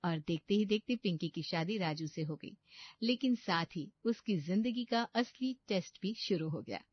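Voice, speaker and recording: A woman's voice: medium pitch, animated, moderate pace, breathy edge, no echo. A woman giving scripted storytelling narration for a cartoon. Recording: dull lo-fi dry recording.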